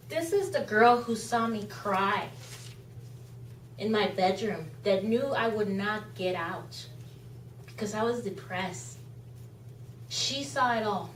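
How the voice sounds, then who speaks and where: Recorded from a distance in an echoey meeting room with a little hiss or hum, this woman's mid-range voice delivers a club presentation for charity. Spanish is her first language, and she speaks earnestly and passionately, often repeating phrases.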